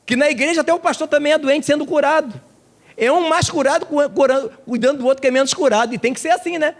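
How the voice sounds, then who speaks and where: A male pastor preaching at a church service. His voice sits high for a man and jumps all over the place. A gravelly, creaky texture runs through his animated storytelling. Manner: animated storytelling with acted quotes. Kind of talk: sermon.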